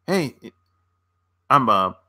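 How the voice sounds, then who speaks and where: A man's voice: medium pitch, sing-song, very slow, pushed and bright. A man hosting a casual livestream, answering viewer comments in a laid-back, slangy way and laughing often between remarks. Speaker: dating coach and channel host.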